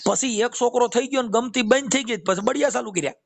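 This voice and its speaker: A man's voice: extremely high pitch, quick pace, gravelly. A man with a Kathiyawadi Gujarati accent giving an informal spiritual discourse on a phone call, preaching with quoted verses and repeated phrases. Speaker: devotional speaker with a YouTube channel.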